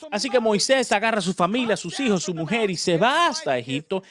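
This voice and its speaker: A man preaching a sermon, telling the story in an animated way and acting out the characters. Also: sits high, fast.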